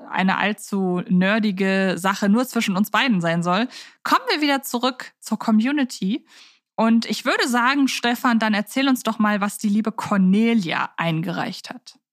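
A woman's voice: medium pitch, measured pace, a bit bright, no room sound, clean studio sound. A woman hosting a podcast in casual chat, speaking effusively with some searching for words. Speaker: podcast host.

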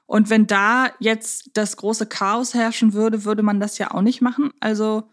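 Measured woman hosting a casual podcast. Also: medium pitch, little pitch movement. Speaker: podcast co-host. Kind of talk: casual conversational podcast discussion.

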